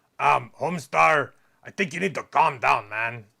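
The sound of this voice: Putting on a character voice, a man speaks raspily at a moderate pace and a medium pitch.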